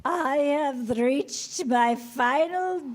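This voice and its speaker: A woman voicing a bossy, sassy car navigation system in a staged comedy reading, announcing deliberately. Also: high-pitched. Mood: bossy, unflappable. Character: bossy female car GPS with sassy flair.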